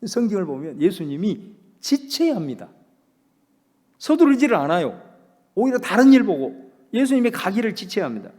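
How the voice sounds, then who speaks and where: A male pastor delivering a dramatic sermon, swinging between loud proclamation and hushed, quiet speech. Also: sits high, sing-song, moderate pace, long pauses, big-room sound.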